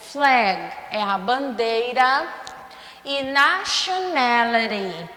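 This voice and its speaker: A woman with a Brazilian Portuguese accent teaching an English class, slowly repeating each word and checking in with her students. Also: sits high, bright, forceful tone. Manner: slow, repeats words for students, asks checking questions. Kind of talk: remote class lesson. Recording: echoey room with long reverb.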